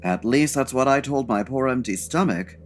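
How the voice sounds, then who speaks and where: An actor playing a fussy, long-suffering gay best friend in a comic detective radio drama, arch, wry and aggrieved. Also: male voice, mid-range voice, expressive, moderate pace, a little hiss or hum, close to an everyday voice. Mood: wry grumbling. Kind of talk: comedic 1940s radio detective acting.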